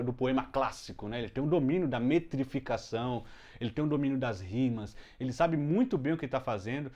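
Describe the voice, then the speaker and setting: A man's voice: mid-range voice, darkish tone, muffled recording. A man explaining song lyrics step by step in a casual video lesson, with many fillers and restarts, recorded in a room at home. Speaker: music teacher. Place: room at home with the window closed. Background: children heard from outside.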